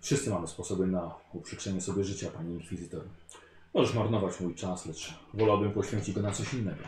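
A man voicing a calm, menacing male Chaos Space Marine warlord who speaks in a measured, quietly threatening way. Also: sits low, echoey room, a little hiss or hum.

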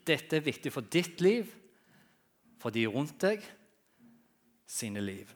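A man preaching a sermon in a church, telling humorous stories in an animated way and swinging between loud and quiet. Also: a little high. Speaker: guest preacher.

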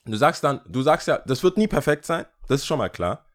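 A man from Ghana co-hosting a casual conversation, opinionated and animated as he acts out little scenes. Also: medium pitch, fairly quick. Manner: opinionated, animated storytelling with acted-out quotes. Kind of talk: casual chat.

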